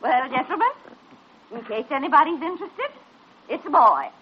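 Fussy indignant nurse, lo-fi old radio, faint hiss. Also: female voice, high-pitched, animated, normal speed. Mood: huffy. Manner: folksy, indignant, huffy. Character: fussy, huffy middle-aged nurse. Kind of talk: 1950s radio drama acting.

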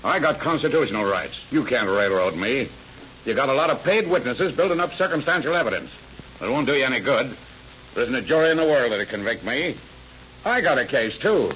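Brief: male actor as a defiant murder suspect, swinging wide in pitch, dull vintage radio recording. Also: animated, fairly quick, slight background noise, close to an everyday voice. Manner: loud, threatening, sneering. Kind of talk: 1930s radio drama acting.

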